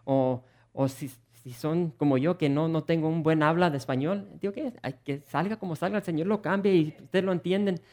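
A man delivers a sermon to his congregation, earnest and animated. His voice sits a little high for a man, and he often repeats words and restarts phrases. He keeps asking rhetorical questions and calls his listeners brothers and sisters. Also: brisk. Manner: earnest and animated, with frequent word repetitions and restarts. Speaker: preacher.

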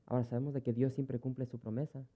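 A man's voice: medium pitch, level tone, quick pace, mellow. A pastor, preaching a sermon in a conversational way and telling stories from his congregation. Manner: conversational, storytelling, acts out dialogue. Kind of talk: sermon with personal anecdotes. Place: church. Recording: tinny phone-like sound.

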